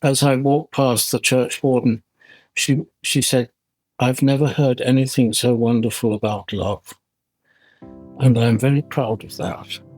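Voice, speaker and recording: A man's medium-pitched voice at a fairly slow pace, with fairly even intonation, dry, close sound with no echo and music in the background. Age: 80s+. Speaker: retired GP, interview guest. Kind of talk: interview answer. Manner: reflective, measured.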